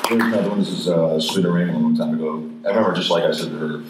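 A man with a hoarse voice chatting casually on stage as a guest giving away prizes. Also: sits low, steady tone, fast talker. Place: indoor convention stage before an audience. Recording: very echoey hall, loud background noise.

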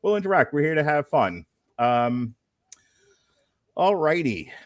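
A man's voice: a little high, very animated, unhurried, dry recording, clean studio sound. A man hosting a live fight-night stream, chatting casually with jokey asides and frequent laughs. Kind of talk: casual live commentary chat.

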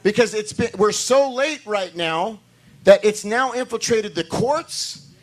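A man preaching a sermon to his congregation with a hoarse voice, building emphasis through repetition and calling for amens. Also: high voice, measured pace. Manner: talks to the congregation directly, asking for amens. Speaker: pastor.

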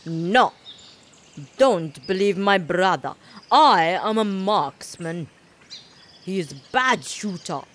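A woman voicing boastful, bickering gentleman twin brothers in a pompous manner. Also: medium pitch.

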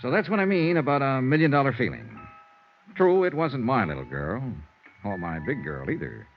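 An actor playing a tough but tender private investigator who narrates a 1950s radio drama in a steady, reassuring way. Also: male voice, mid-range voice, normal speed, faint music behind. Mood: narrating. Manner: steady, reassuring, hushed when comforting. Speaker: narrator and lead. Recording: dull old radio broadcast, faint hiss.

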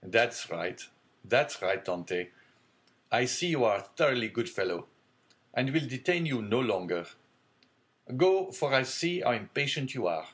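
A man reading aloud and voicing a genial, fatherly older shipowner in a hearty, booming manner. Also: sing-song, measured pace. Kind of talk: audiobook character reading.

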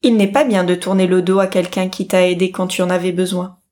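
A woman's voice: on the low side, little pitch movement, fairly quick, a little mellow, lightly acted. A woman reading the lines of a stern, fatherly king in a storybook, in a firm, admonishing tone.

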